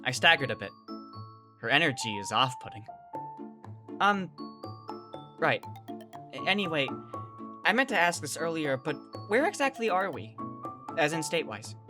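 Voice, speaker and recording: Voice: mid-range voice, big pitch swings, moderate pace, pauses often, music in the background, natural voice. A performer playing an anxious, wry young survivor woman, narrating and speaking in a first-person audio drama. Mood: uneasy, questioning.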